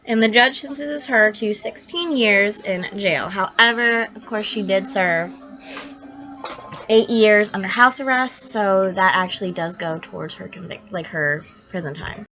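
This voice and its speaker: A woman with a bright, forceful voice that is stuffed up and nasal from being sick. She talks casually to camera as a true crime host, chatty and blunt with her opinions, as if talking is a little painful. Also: mid-range voice, measured pace, rough recording. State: sick with congested nasal voice, hurts to talk.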